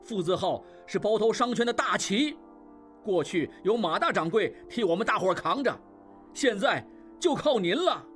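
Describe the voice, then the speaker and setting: A man plays a desperate middle-aged shopkeeper in an audio drama, shouting his pleas to the crowd. His voice sits high and husky and leaps up and down in pitch. Soft music runs underneath. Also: animated, moderate pace. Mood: pleading. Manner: loud, urgent, beseeching. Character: loud pleading middle-aged male shopkeeper.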